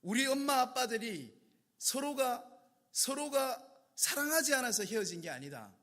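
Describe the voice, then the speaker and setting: A male pastor preaching with a high, bright voice that rises and falls in lively sweeps. He tells stories animatedly and acts out little conversations. His voice rings through a church sanctuary with long reverb. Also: unhurried. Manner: animated storytelling, acting out dialogues. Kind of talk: sermon.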